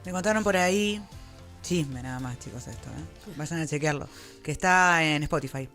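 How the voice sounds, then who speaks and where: A woman's voice: sits low, moderate pace, a bit bright, soft background music. An Argentine woman hosting a live radio show, talking in an informal, chatty way. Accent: Argentine Spanish. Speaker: radio host. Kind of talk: casual live radio chat. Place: radio studio.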